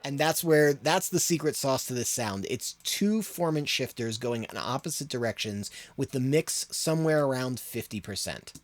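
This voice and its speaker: A man's voice: mid-range voice, expressive, moderate pace, few pauses, dry recording. A man hosting an audio tutorial, explaining in an informal, rambling way as he thinks aloud. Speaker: audio production tutorial host.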